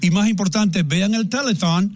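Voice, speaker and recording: A man's voice: high voice, brisk. Man interpreting live. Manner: restarts often, stammering while interpreting. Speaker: TV host and interpreter.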